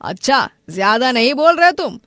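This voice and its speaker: A woman playing a strict, grumpy middle-aged mother-in-law in an animated family story, with a commanding manner. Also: high-pitched, normal speed, no echo, clean studio sound, soft background music. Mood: scolding. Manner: scolding, commanding.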